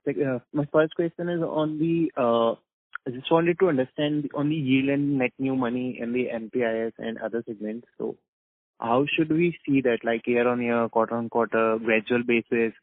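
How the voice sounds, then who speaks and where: A man calling in as an analyst to ask a question, halting and searching for his words. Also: medium pitch, no room sound. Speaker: investment analyst asking questions. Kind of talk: question on an earnings call. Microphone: phone. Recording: dry, tinny phone line.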